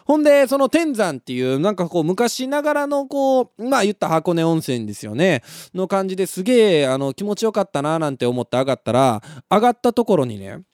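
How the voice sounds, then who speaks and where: A young man with a Kansai accent hosts a late-night radio show, chatting casually and laughing at his own stories. His voice sits fairly high and swings widely in pitch. The sound is dry and close, with no room echo. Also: brisk, hardly any pauses. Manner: animated storytelling, laughs at his own story. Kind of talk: casual live radio talk.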